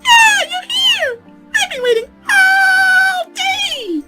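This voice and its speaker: A bubbly young pink pony mare, sky-high and swooping wildly as she gushes in giddy bursts. Her cartoonish voice rides over a soft bed of music. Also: very animated, extremely slow, heavily acted. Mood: ecstatic. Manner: squealing, giddy, gushing. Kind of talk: fan storybook reading.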